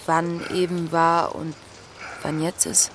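A woman playing a distressed but defiant and compassionate thirties character in a naturalistic radio drama, speaking haltingly. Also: deep voice, flat delivery, slight background noise. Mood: defiant, upset. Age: 30s.

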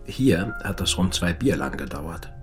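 Low, laconic male barkeeper. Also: lively intonation, faint music behind. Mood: dry, easy. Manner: laconic, probing, unhurried. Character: calm, curious, tireless male barkeeper, a steady confidant. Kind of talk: naturalistic German radio drama acting.

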